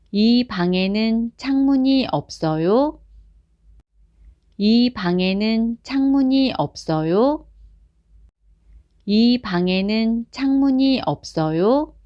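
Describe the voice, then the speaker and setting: Woman, very slow and careful phrase reading, dry and slightly muffled sound, learner drills. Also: a little high, animated, dry recording. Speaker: Korean phrase reader. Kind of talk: slow repeated example sentences for learners.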